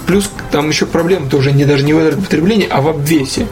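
A man's voice: a little high, very fast, over music. A man talking casually about tech in a colloquial, slangy and opinionated way, as a guest in a conversation.

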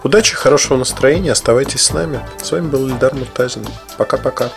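A man's voice: medium pitch, fast, creaky, loud music behind the voice. A man hosting a tech podcast, giving a casual, rambling gadget review full of hesitations and asides.

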